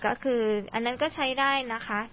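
A woman's voice: a little fast, slight background noise. A young woman hosting a language lesson, chatty and asking her guest lots of prompting questions, on a dull lo-fi recording. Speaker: host. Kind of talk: radio-style lesson chat.

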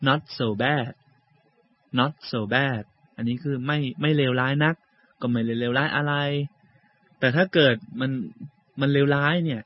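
A man's voice: mid-range voice, fairly even intonation, dull audio. Patient male radio host who explains step by step in a mid-range voice, lightly dulled recording. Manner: patient, explanatory, repeats example phrases slowly. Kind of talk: teaching English phrases on radio.

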